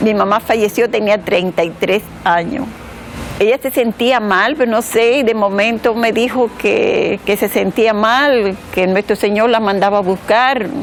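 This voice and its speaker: Against noticeable background noise, the speaker talks at a fairly slow pace, with fairly even intonation and very even loudness. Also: woman, fairly high pitch for a woman. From Canary Islands, Las Palmas de Gran Canaria. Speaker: emigrant interviewee. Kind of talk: interview.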